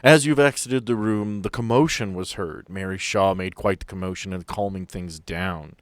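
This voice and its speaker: Joking game master, lowish voice. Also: male voice, moderate pace, dry recording. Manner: playful, joking with players. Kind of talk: narrating a tabletop game.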